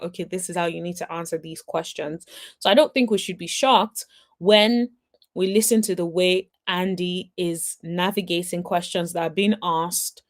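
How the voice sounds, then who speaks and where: This is a woman hosting a casual celebrity-gossip recap. She talks in a chatty, opinionated way and keeps asking rhetorical questions. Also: lowish voice. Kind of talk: casual commentary vlog.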